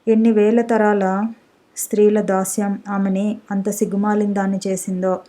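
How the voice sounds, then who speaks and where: A woman narrating a story as an audiobook reader, at a steady, measured pace. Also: mid-range voice. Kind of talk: scripted narration.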